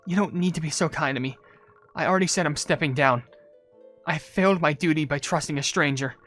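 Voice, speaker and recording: A woman's voice: low voice, brisk, a bit bright, faint music behind. A woman voicing a guilty, self-blaming young female oracle in a game cutscene, speaking in a subdued, earnest way. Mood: dejected. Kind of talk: video game cutscene voice acting.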